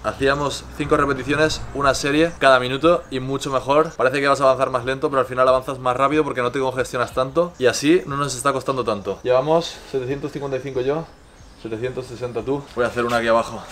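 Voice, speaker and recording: A man's voice: mid-range voice, steady tone, fast talker, a bit bright, a little hiss or hum. A man in his twenties chatting casually to the camera for a vlog, outdoors in a garden. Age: 20s. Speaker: fitness challenge vlogger. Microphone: camera a few steps away.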